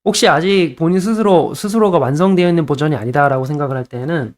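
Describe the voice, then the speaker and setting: Brief: young male host, brisk chatty dating-advice monologue, slightly raised pitch, acts out bits of dialogue. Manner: chatty, playfully acts out little scenes with dialogue.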